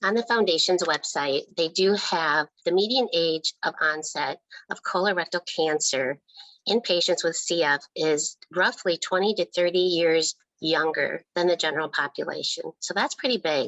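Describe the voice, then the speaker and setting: A woman's plain, everyday voice, fairly low in pitch, with ordinary pitch variation, very even loudness and a moderate pace. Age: 50s. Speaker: patient advocate. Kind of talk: testimony.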